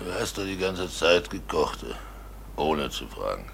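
An actor playing a troubled, grumbling widowed innkeeper in a German radio drama, speaking in a halting, weary way. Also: male voice, extremely low pitch, very animated, vocal fry, fairly bright tone, a little hiss or hum, heavily acted. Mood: irritated, listless.

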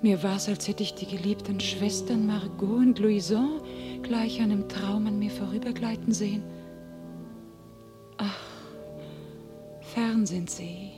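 An actress playing a tormented, homesick young shepherdess turned warrior, declaiming solemnly and fervently in a classical radio play. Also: female voice, mid-range voice, fairly even intonation, unhurried, long pauses, close to an everyday voice. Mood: anguished, haunted. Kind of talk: classical German stage verse radio acting. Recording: radio play with loud music behind.

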